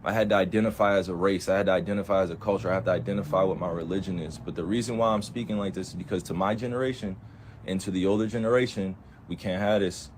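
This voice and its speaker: A man's voice: low voice, fairly even intonation, fast talker, a little hiss or hum. A young man speaking with passion on a livestream, emphatic and full of repeated rhetorical questions. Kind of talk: impassioned livestream talk.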